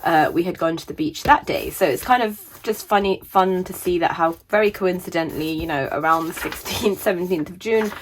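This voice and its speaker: A woman in her thirties chatting casually about her planners, meandering with many fillers, her voice slightly raspy from a sore throat coming on. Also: fairly low pitch, brisk, hardly any pauses, slight background noise. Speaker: planner vlogger. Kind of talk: casual chat.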